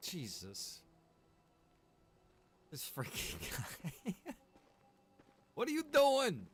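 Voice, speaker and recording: A man's voice: sits high, huge pitch swings, extremely slow. A man live streaming a game, talking casually to viewers and thinking aloud in an informal, chatty way.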